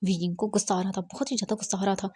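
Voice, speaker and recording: Husky woman narrating fanfiction. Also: mid-range voice, flat delivery, racing, darkish tone. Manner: dramatic, mixing English words into narration. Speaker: storyteller.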